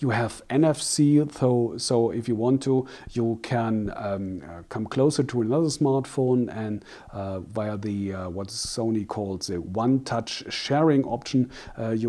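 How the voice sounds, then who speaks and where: A man with a non-native accent speaks at a fairly slow pace. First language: not English. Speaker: tech reviewer. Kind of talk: product review. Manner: halting, many fillers.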